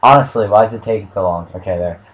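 A young man with a cold and a hoarse voice, hosting casual gaming commentary while opening card packs, swearing and swinging from mumbling to excited shouts. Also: fairly low pitch, quick pace. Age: young adult. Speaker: gaming channel host.

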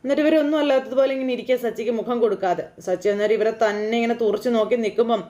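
Woman, slightly high voice, chatty serial recap, conversational fillers. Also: rapid-fire, warm tone. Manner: chatty, conversational, frequent fillers addressing the listener. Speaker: serial episode recap narrator. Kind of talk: casual spoken retelling of a TV serial.

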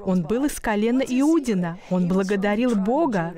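A woman's voice: mid-range voice, expressive, moderate pace, mellow. A middle-aged woman dubbing a guest minister on a Christian talk show, telling stories in an earnest voice-over.

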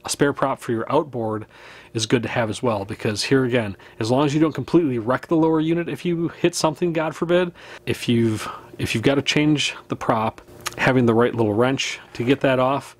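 A man in his thirties talks straight to the camera in a small indoor room, explaining what to pack for a fishing trip. His voice sits at an ordinary middle pitch, and his delivery is relaxed and practical, with small chuckles here and there. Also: normal speed. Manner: easygoing, practical, with small laughs. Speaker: fishing channel host. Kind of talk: casual to-camera gear talk. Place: indoors, small room with wood-panel wall.

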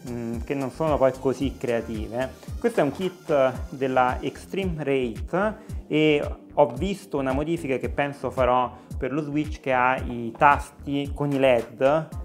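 A man narrating a casual vlog, chatty and explanatory with frequent hesitations. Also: mid-range voice. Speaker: vlogger.

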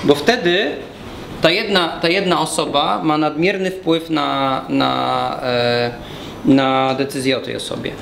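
A man's voice: fairly high pitch, steady tone, slow, vocal fry, fairly bright tone. A man in his thirties giving a talk at a whiteboard, explaining step by step while he draws, often restarting his words, recorded by a far camera in a small brick room. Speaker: guest speaker. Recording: echoey room from far off, noisy.

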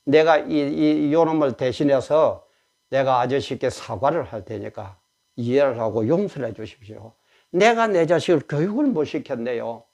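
A man's voice: animated, moderate pace, gravelly, darkish tone. A man voicing a furious middle-aged mother who scolds her son, in a sermon. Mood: pleading apology. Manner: shrill, scolding.

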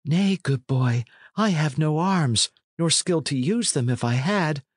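A man's voice: fairly high pitch, expressive, unhurried, no room sound, clean studio sound, voice pushed up. A man voicing a plaintive, delicate but proud young runaway in a storybook, in courtly pleading archaic speech. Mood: meek. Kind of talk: storybook character reading.

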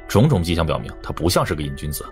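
A male audiobook narrator reads a first-person crime novel over background music. His voice is a rumbling low with a sing-song lilt, and he delivers the scripted narration at a rapid-fire pace.

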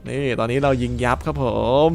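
A man playing a mobile shooter and commentating, playful and often breaking into loud, excited yelling during fights. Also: mid-range voice, brisk, slight background noise. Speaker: gaming YouTuber.

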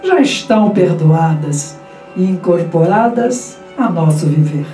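An older woman, a guest and former school director, speaking in a measured, reflective way on a handheld mic in a small radio studio. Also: fairly low pitch, animated, music in the background. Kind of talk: casual interview and poetry reading. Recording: roomy studio sound from a distance.

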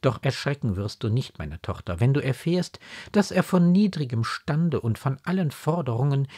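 A man's voice: medium pitch, very animated, moderate pace, mellow, pitched above the performer's own voice. A man reading the part of a noble, remorseful mother in a classic audiobook, in a raised, emotional voice. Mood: pleading.

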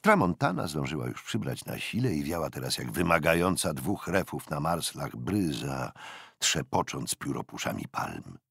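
An older man reading a novel as an audiobook narrator, in dramatic literary style with a gravelly, husky voice. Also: rumbling low, big pitch swings, normal speed, fairly bright tone, no echo, clean studio sound.

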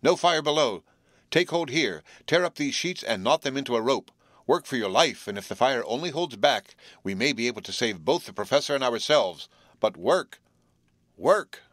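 A man's voice: mid-range voice, animated, fairly quick, a bit bright, dry recording, studio quality, close to an everyday voice. A man voicing a cool-headed teenage boy who gives firm, urgent commands.

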